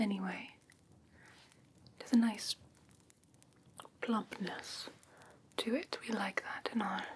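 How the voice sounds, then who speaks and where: A woman playing a curious, haughty fae creature in an ASMR fantasy roleplay, whispering softly in a hesitant, musing, gently condescending way. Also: mid-range voice. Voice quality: soft breathy whisper.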